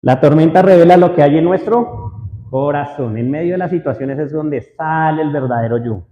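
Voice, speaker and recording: A man's voice: on the high side, normal speed, warm tone. Man preaching in an echoey hall. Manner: asks the audience frequent questions. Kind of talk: sermon to a congregation. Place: church hall. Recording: roomy hall echo, dull lo-fi sound.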